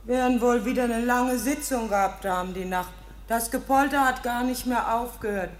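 An actress as a high-voiced young housemaid, echoey room. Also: female voice, normal speed, faint music behind, natural voice. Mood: chattering. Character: anxious young housemaid in a village inn. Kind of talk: German radio play acting.

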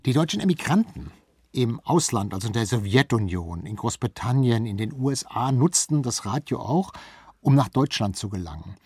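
Male expert guest, husky voice, explanatory storytelling delivery, dry studio recording. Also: medium pitch, animated, normal speed, darkish tone, dry recording. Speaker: author and former radio culture chief, interview guest. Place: radio studio.

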